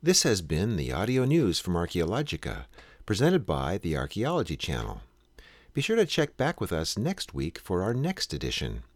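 A man reading a scripted show sign-off as announcer, lively and friendly. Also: lowish voice, no echo, studio quality.

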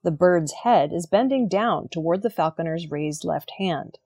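A woman reading the weekly archaeology news headlines in a clear, measured scripted style. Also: lowish voice, expressive, warm tone. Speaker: news reader.

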